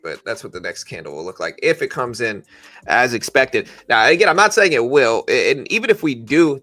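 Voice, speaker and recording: A man with a bright, forceful voice at an average male pitch talks through the markets as a livestream host. His delivery is conversational and explanatory, as if answering a chat. Music plays faintly behind him. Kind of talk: casual live stock market commentary, answering chat.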